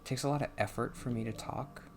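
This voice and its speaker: A soft-spoken man with a quiet voice, halting and muttering to himself as he plays through a game, on a microphone turned up high. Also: fairly even intonation, soft background music. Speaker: gaming channel host. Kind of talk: casual gameplay commentary. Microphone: computer microphone turned up loud.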